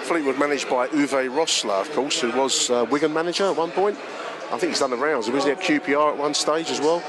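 A man's voice: fairly high pitch, a little fast, a crowd in the background. A man, nasal from a cold, giving rambling, sardonic fan commentary on a match. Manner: rambling, sardonic, frequent ums. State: nasal with a cold and sore throat. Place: outside a football stadium. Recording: noisy outdoor stadium recording. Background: stadium and street noise.

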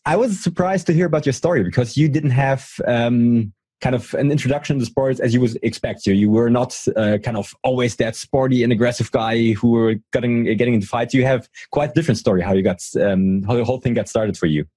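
A male interviewer with a husky, mid-pitched voice, recorded dry and close. He feels his way through his questions with lots of ums and quick little affirmations. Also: warm tone, dry recording. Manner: hesitant, many fillers, short affirmations. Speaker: interviewer, host.

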